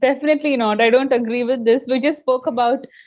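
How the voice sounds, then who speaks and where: This voice has a Telugu accent and fairly even intonation. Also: woman. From India. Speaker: author and family caregiver. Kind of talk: casual chat. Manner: fast.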